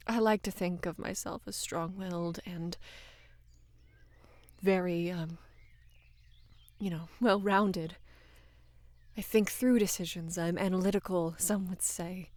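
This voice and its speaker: A young woman playing a devoted, lovestruck female knight in an intimate roleplay audio, speaking in a hushed, breathy, halting and earnest way. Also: fairly low pitch, steady tone, no echo. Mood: earnest, worried. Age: young adult. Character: devoted female knight, tender, anxious, in love with queen. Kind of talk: intimate roleplay audio, soft acted monologue.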